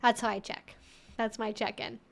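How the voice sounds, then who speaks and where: A woman's voice: a little high, level tone, moderate pace, creaky. A woman hosting a livestream, chattily and informally reading and answering viewer comments.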